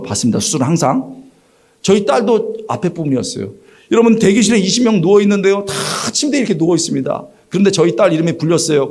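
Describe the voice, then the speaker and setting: Lively older Korean pastor telling stories. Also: male voice, sits high. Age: 60s. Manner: storytelling, acting out quoted dialogue. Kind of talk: sermon. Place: church evening service.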